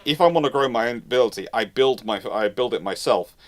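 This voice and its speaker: A man speaks as the host of a live question-and-answer talk, in a mid-pitched voice. He explains off the cuff with animated emphasis, often doubling back to rephrase his sentences. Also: fast talker. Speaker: host of naval history live Q&A.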